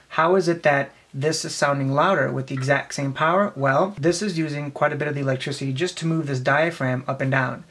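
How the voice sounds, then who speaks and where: A man in his twenties giving a casual hands-on explanation, a bit halting as he thinks aloud, recorded on a camera mic in a small office. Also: on the high side, fairly bright tone. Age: 20s. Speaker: presenter of a tech demonstration. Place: small cluttered office indoors. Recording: clear background noise, clicks of handling.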